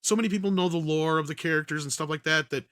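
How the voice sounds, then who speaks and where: A man with a bright, forceful voice in a dry-sounding setup discusses films casually. He is opinionated and keeps building his argument at length, like a regular on a talk show. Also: a little high, fast talker, dry recording. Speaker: panelist on an entertainment news talk show.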